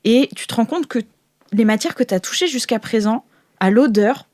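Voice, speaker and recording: A woman's voice: a little high, lively intonation, normal speed, a little mellow. A woman narrating an improvised tabletop role-play as game master, descriptive and searching for words as she goes.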